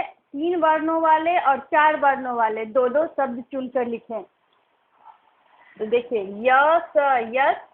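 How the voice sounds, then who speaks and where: Teacher, woman, young adult: high, unhurried, patient, sounds out each syllable; tinny phone-like recording. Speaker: primary school teacher. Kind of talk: recorded online class lesson.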